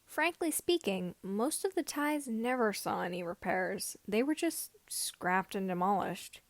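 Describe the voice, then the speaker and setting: A woman reading a story aloud as scripted narration, with somewhat halting phrasing. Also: mid-range voice, expressive, dry recording. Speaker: amateur audiobook reader of fan fiction.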